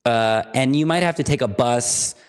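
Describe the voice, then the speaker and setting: A man from California, a podcast guest and anxiety coach, talking in a lively, joking, storytelling way. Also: mid-range voice, normal speed, clean tone. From Berkeley, California. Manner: animated, joking, lively storyteller with playful asides. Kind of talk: casual interview chat.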